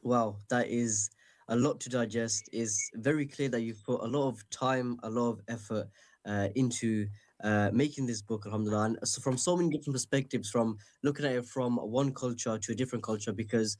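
A man's voice: medium pitch, steady tone, brisk, a little mellow. A man interviewing an author, asking a long question with many fillers and hesitations.

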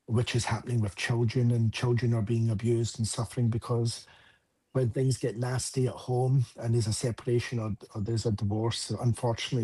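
A man's voice: medium pitch, warm tone, slightly rough. A man with a Scottish accent, a relationship coach talking earnestly at length as an interview guest. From Scotland. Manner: earnest, explanatory, frequent fillers.

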